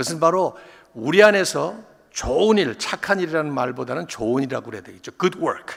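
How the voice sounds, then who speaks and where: The speaker is a man with a fairly high pitch and lively intonation. His loudness swings widely. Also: fairly quick pace. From South Korea, Seoul, North Korean parents. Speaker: pastor. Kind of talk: sermon.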